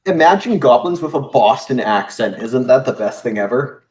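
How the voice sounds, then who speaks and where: A man's voice: medium pitch, animated, normal speed, a little mellow, rough recording. A man chatting casually on a stream, giving opinions in a rambling way and fumbling for words. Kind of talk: casual chat.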